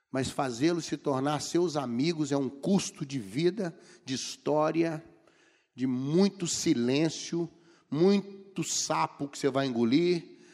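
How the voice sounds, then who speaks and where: The long echo of a big hall carries a sermon from a middle-aged man whose accent is Brazilian Portuguese. His voice is a little high and a little mellow, and he livens his message with comic stories, impersonating the people he quotes.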